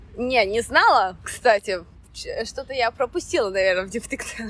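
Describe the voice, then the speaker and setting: Lively intonation and a fairly high pitch mark this woman's speech. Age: 20s. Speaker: psychology student. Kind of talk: casual chat. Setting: outdoors in a park.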